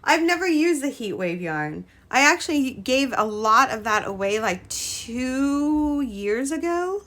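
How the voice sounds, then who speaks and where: A woman hosting a casual live crochet stream, chatting with viewers, her voice a little hoarse from a cold. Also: medium pitch, a bit bright, slight background noise. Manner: chatty, greets viewers, trails off and restarts. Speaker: crochet livestream host.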